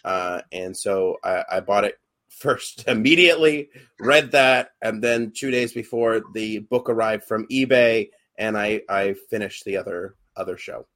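A man's voice: lowish voice, measured pace, a bit bright. Hesitant young man, lots of ums. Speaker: podcast co-host and actor. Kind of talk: casual podcast chat.

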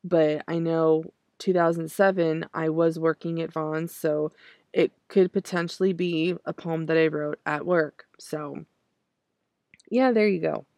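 A woman in her thirties, raspy from clearing her throat, reading her own poems slowly and then talking about them hesitantly with many fillers and restarts. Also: low voice, steady tone, darkish tone, no room sound, studio quality. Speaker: podcast host reciting her poems. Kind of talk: poetry reading and casual reflection.

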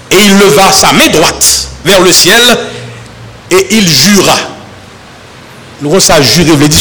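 A man preaching a sermon with a French Caribbean Creole accent, reading scripture aloud slowly and emphatically, then explaining it in Creole. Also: high voice, fairly bright tone, rough recording.

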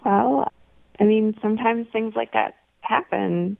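A woman's voice: a little high, a little slow, vocal fry, a crowd in the background. Woman on a tinny phone line. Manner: guarded, laughs while talking. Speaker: caller. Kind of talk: phone conversation on radio.

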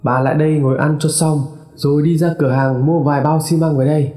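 Brutal village husband read by a male narrator, gruff and foul-mouthed, dark mellow tone, long reverb. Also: a little high, fairly even intonation, quick pace, natural voice. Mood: dismissive. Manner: gruff and cursing. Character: coarse, brutal middle-aged village husband. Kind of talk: horror story narration. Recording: echoey room, long reverb, faint music.

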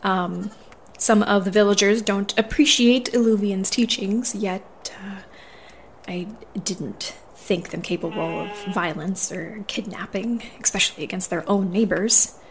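A woman's voice: medium pitch, measured pace, slight background noise, close to an everyday voice. Prickly, earnest dwarven paladin played by a woman. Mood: worried. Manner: firm, formal, businesslike. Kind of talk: audio drama dialogue.

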